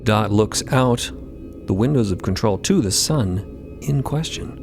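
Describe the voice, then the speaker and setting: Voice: medium pitch, lively intonation, a little slow, gravelly. A narrator reading scripted audio drama narration in a storytelling style. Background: music.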